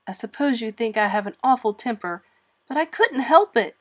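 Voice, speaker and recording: A woman's voice: fairly high pitch, lively intonation, moderate pace. A woman voicing a defiant, melodramatic eleven-year-old orphan girl in a storybook reading, pleading emphatically. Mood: indignant, wailing.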